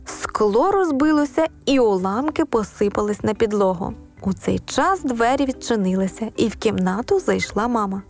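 A woman narrating a children's story on a radio program, expressive and acting out each character's lines. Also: on the high side.

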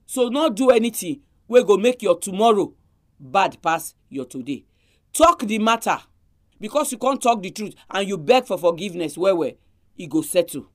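A woman with a Nigerian Pidgin accent hosts a Christian advice radio programme, speaking in an earnest, exhorting manner. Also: mid-range voice.

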